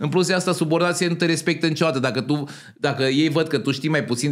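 A man talks at a very fast pace. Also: quiet background. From western Romania, Arad county; Romania. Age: 50s. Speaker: businessman; podcast guest. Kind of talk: interview. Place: studio. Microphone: studio mic.

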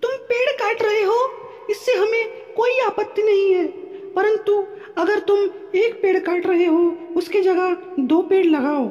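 A female-sounding cartoonish character voice at an extremely high pitch speaks at a moderate pace. She leaves long, frequent pauses over light background noise. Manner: polite, pleading, calm.

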